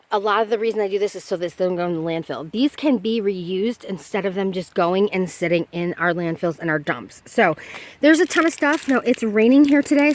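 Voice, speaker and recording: A middle-aged woman vlogging casually, talking fast and chatty, a little out of breath, often breaking off mid-sentence. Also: mid-range voice, no room sound. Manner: fast, chatty, self-interrupting. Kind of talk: casual haul vlog.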